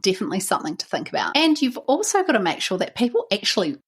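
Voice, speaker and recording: A woman's voice: mid-range voice, huge pitch swings, racing, husky. A woman with a New Zealand accent hosting a solo podcast, chatty and encouraging, with frequent fillers. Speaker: podcast host.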